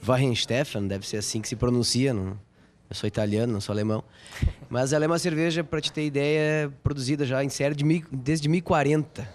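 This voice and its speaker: A man's voice: medium pitch, brisk. Man, studio guest, chatty, joking. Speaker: studio guest, beer enthusiast. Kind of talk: casual chat.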